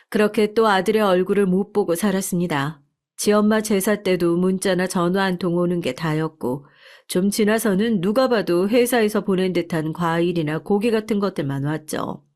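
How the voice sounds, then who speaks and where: A woman narrating a first-person life story in a calm, reflective, scripted manner. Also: lowish voice.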